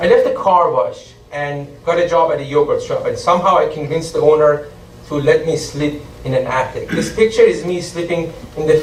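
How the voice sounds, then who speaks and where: A man with a Persian accent at a fairly quick pace, with noticeable background noise and audible room echo. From Iran. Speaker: venture capitalist. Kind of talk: public talk.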